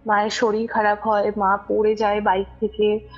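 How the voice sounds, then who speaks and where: This young woman's medium-pitched voice is completely flat as she moves at a moderate pace through a personal ghost story. She tells it as a guest, chatty and casual, regularly checking that the listener understands. Music sits behind the muffled, lo-fi audio.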